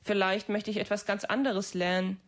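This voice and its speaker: Stubborn anxious farm boy, quiet defiance, flat delivery , read by a woman. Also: mid-range voice, moderate pace, close to an everyday voice. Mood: defiant.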